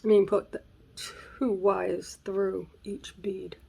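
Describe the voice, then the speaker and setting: A craft channel host with a raspy voice runs a casual tutorial from her home craft room on a gray day, chatting and thinking aloud as she works and sometimes dropping to a whisper. Her medium-pitched voice is flat, slow and a little mellow. The camera mic picks her up as she moves close to it and away.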